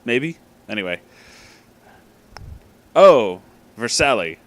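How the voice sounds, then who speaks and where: A man's voice: medium pitch, sing-song, takes it slowly, fairly bright tone, no echo. A man hosting in a casual, informal way, with emphatic, dramatic delivery. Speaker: host reading fan fiction aloud. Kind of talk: casual comedic storytelling.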